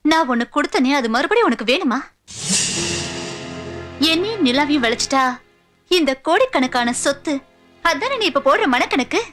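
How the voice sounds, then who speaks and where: A woman's voice: sits high, big pitch swings, moderate pace, pauses often, faint music behind. An actress playing a defiant young woman who confronts a scheming relative. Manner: sharp, defiant. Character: defiant young woman guarding her niece.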